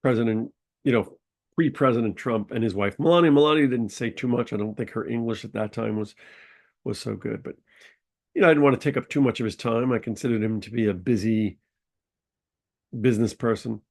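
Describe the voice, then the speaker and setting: A man's voice: medium pitch, gravelly, darkish tone. Male podcast host, nasal and congested, mid-range voice, casual rambling delivery full of fillers. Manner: rambling, unhurried, frequent ums and uhs. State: congested from a sinus infection. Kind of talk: casual storytelling monologue.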